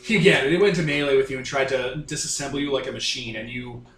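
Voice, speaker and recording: A man's voice: mid-range voice, fast, a bit bright. A man narrating as game master of a tabletop role-playing game in a casual, profane way. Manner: profane, informal. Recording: echoey room, faint background noise.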